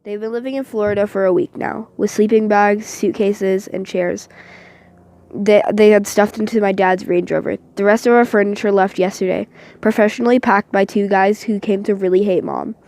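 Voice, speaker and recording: A woman giving a deliberate, expressive dramatic reading of first-person novel narration, as for a voice audition. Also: mid-range voice.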